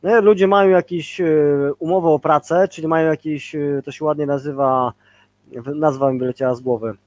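A man's voice: fairly high pitch, fairly even intonation, fairly quick. A man in his forties talking casually on a video call as a guest leadership trainer, rambling with many fillers and tag questions.

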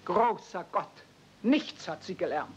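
Haughty housekeeper, swooping voice. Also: female voice, expressive, measured pace, darkish tone, husky, full character voice. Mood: appalled. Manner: formal, stiff, imperious. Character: strict, haughty, easily scandalised housekeeper lady. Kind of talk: 1970s radio play acting. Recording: dull, rumbly, noisy old cassette transfer.

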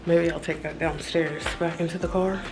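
A woman's voice: on the low side, steady tone, moderate pace. A middle-aged American woman chatting casually to camera as a vlogger in a hotel room. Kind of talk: casual vlog chat, showing items to camera. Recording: clearly noisy room sound.

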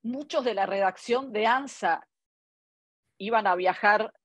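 A woman in her fifties with an Argentine accent, Italian by birth, speaks over a laptop webcam from a book-lined home study. She talks in a thoughtful, unhurried way, stopping often on "eh" fillers. The sound is dry, with no room echo. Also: medium pitch, lo-fi sound. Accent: Argentine Spanish. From born in Italy, raised in Argentina. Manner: thoughtful, many hesitations and "eh" fillers. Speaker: foreign correspondent guest. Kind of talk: relaxed conversational interview. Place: home study with bookshelves, indoors. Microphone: laptop webcam on a video call.

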